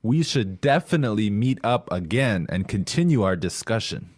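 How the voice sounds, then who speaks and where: Guy acting polite business man in english lesson dialogue, standard american accent, clear words, no room sound. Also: lowish voice, lively intonation, moderate pace, a little mellow, dry recording, studio quality. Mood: polite, brisk. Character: polite, hurried businessman, mildly sheepish with an acquaintance. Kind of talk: scripted language-lesson dialogue.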